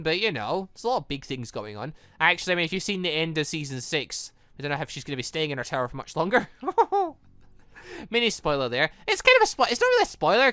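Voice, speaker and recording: An excitable gaming video host giving rambling let's play commentary, with exclamatory, theatrical reactions. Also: mid-range voice, no room sound. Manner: rambling, self-confessed ranter.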